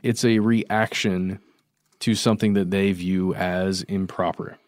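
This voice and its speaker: A man's voice: low-pitched, fairly even intonation, unhurried, a little mellow, no room sound, studio quality. A man co-hosting a podcast, talking things through in a casual, thoughtful way and qualifying his points. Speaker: podcast co-host. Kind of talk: casual discussion.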